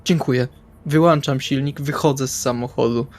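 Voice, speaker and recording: A man playing a tabletop RPG, narrating his character's actions in the first person in short, deliberate phrases. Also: medium pitch, steady tone. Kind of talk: first-person roleplay narration over game session. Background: soft guitar music.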